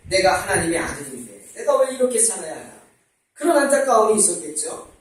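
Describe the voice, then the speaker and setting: Male pastor, high voice, fervent sermon delivery; heavy church reverb, distant mic. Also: a little mellow. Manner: impassioned preaching, calling on the congregation. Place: church sanctuary. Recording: echoey church hall, mic far off.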